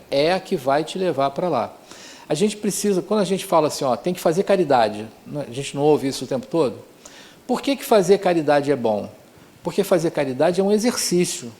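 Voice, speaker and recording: This male teacher, also from Rio de Janeiro, Brazil, has a slightly high voice with a darkish tone. Lecturing on spiritual topics in a chatty, informal way, he restarts sentences and keeps tossing in tag questions like "né?"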